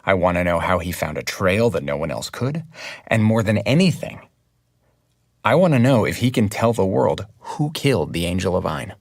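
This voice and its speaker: An actor playing an earnest investigative podcast host, delivering scripted narration. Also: male voice, sits low, very animated, normal speed, full character voice. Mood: earnest, intrigued. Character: earnest, driven male investigative true-crime podcast host. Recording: music under the voice.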